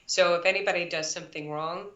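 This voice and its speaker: A woman's voice: on the low side, steady tone, fast, fairly bright tone. A woman chiropractor on a live video call, coaching new practitioners in an emphatic way and acting out quotes. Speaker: chiropractor guest. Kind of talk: live online interview. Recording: echoey, distant, dull audio.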